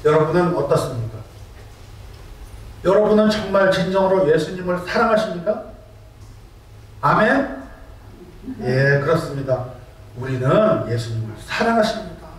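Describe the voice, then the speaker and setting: High-voiced pastor in an echoey hall. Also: male voice, normal speed, long pauses. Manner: rhetorical questions to the congregation, animated storytelling. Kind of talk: sermon. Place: church sanctuary. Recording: echoey church hall, distant mic.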